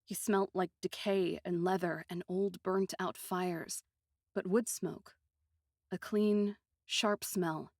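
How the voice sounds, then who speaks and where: Lowish-voiced woman narrating fantasy fiction. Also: steady tone, slow pace, darkish tone, no room sound, studio quality. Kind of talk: first-person dramatised story narration.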